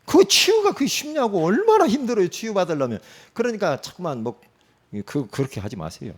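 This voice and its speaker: A man preaches to his congregation in a casual, teasing way, often checking in with quick prompts. His voice sits a little high and swings widely in pitch as he acts out the lines he quotes. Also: breathy edge. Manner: animated, acts out quoted speech, frequent "응?" prompts. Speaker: pastor. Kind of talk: sermon.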